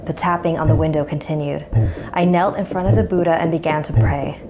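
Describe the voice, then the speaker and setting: A young woman telling a scary first-person story in a measured, suspenseful way, narrating over a music bed. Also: low voice, fairly even intonation, lo-fi sound, background noise.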